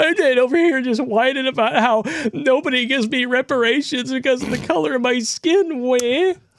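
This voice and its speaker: In a put-on character voice, the speaker sounds whiny and moves at a fairly quick pace. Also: man, extremely high pitch for a man. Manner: whiny, complaining.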